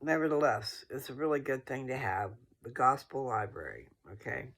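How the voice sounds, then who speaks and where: Gravelly and fry-laden at an average pitch, his voice still carries lively intonation and a fairly bright tone at a normal pace. Sleepy and yawning, he hosts a rambling, folksy scripture chat for his followers, stopping to correct himself along the way.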